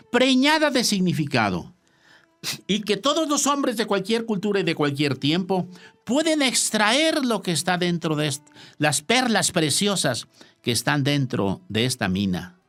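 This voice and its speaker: A man preaching a sermon, telling a story in an expressive, emphatic way. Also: high voice.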